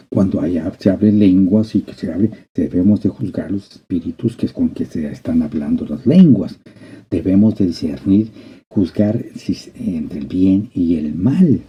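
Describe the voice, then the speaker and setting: A man's voice: low voice, takes it slowly, husky. A male pastor preaching a fervent sermon, often repeating and restarting phrases and calling out to the congregation. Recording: dull lo-fi sermon recording.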